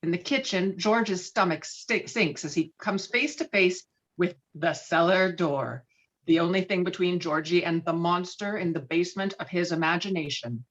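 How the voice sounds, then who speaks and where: A woman's voice: fairly low pitch, normal speed. A woman reading screenplay stage directions as dramatic scripted narration. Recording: slightly dull, lo-fi microphone.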